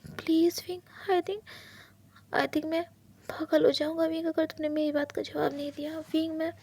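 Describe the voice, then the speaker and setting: A woman voicing an anguished young husband who fears being left, in whispered role-play, halting and pleading. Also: sits high, level tone, a little mellow. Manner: pleading, halting, repeats words. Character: anguished young husband, clingy and afraid of abandonment.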